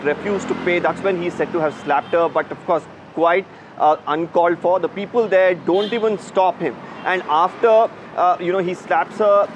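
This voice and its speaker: Fast-talking Indian male reporter, noisy street. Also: a little high. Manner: halting, filler-heavy delivery. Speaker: news reporter. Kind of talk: live field report, unscripted. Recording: loud outdoor street and traffic noise.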